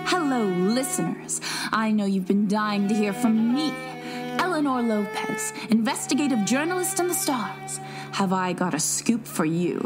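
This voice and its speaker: A woman plays a self-important investigative journalist from a space audio drama, pitching her scoop. She is dramatic and relishes scandal, with music clearly playing behind her. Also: big pitch swings, a little slow. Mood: grand, teasing. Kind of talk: scripted podcast promo in character.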